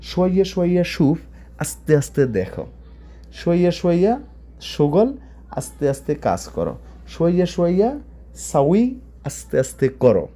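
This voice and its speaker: Guy teaching a language lesson, warm low-key voice, repeats everything and quizzes you. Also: big pitch swings, moderate pace. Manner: explains word by word, often repeats phrases and asks questions. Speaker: Arabic teacher.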